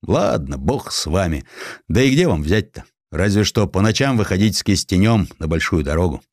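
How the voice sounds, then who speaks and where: A man voicing a coarse, decisive nineteenth-century governor in an audiobook, gruff, curt and peremptory. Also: low voice, lively intonation, moderate pace, a little mellow. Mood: grudging. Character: blunt, commanding 19th-century Russian governor, coarse and decisive.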